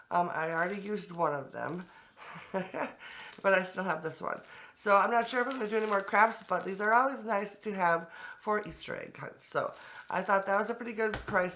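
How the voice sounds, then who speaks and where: A woman's voice: mid-range voice, a bit bright. A woman in her thirties or forties, stuffy and congested from allergies, chatting casually and gushing over her thrift finds in her kitchen. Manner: gushing, enthusiastic, many fillers. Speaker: thrift haul vlogger. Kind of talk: casual chatty show-and-tell. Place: home kitchen.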